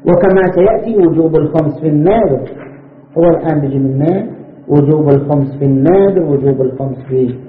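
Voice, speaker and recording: Guy teaching a seminary class, high voice, asks himself questions, echoey tinny tape. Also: quick pace. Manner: explains point by point, asks himself rhetorical questions. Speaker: religious scholar teaching jurisprudence. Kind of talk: seminary lecture. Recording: tinny, echoey lecture recording with faint noise.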